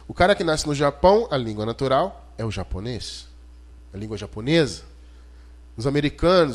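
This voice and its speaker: A man with a Brazilian Portuguese accent preaching an expository sermon in an emphatic, didactic way, putting rhetorical questions to his listeners. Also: a little high. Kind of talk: expository sermon, teaching scripture verse by verse.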